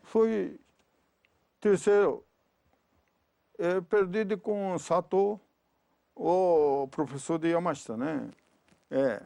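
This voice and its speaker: An older man from Japan speaking Portuguese with a Japanese accent, talking haltingly with many fillers in a documentary interview. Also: sits high, vocal fry, dark tone, dry recording. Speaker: retired judo champion.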